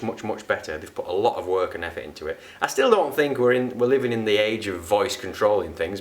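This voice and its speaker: Northern English man, low-pitched, casual tech reviewer, loose and rambling delivery. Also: a bit bright, a little hiss or hum. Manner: rambling, chatty, self-correcting.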